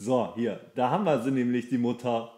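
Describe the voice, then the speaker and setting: A man's voice: medium pitch, a little fast, warm tone, husky. A man co-hosting a podcast, chatting casually in slangy, mocking colloquial speech as he comments on a show. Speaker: podcast co-host. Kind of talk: casual chat, commenting on a TV show while watching.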